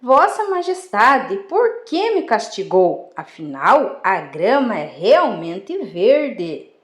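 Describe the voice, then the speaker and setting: A woman's voice: medium pitch, big pitch swings, slow, roomy sound. A woman voicing a clever, proud tiger in a children's fable, asking indignant questions.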